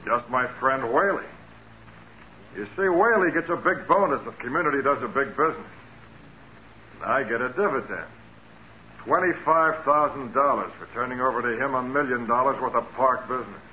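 A man's voice: mid-range voice, close to an everyday voice. Man acting a cold, gloating killer, muffled old radio. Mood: gloating threat. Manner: menacing, mocking, deliberate. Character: cold, gloating male killer and crooked businessman with a gun. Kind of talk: 1940s radio crime drama acting. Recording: muffled, hissy 1940s radio recording.

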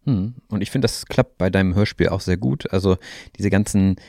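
A man hosting a German-language podcast for learners, speaking in a friendly, clear and measured way. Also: low-pitched, warm tone, no echo. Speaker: podcast host. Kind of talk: relaxed podcast interview.

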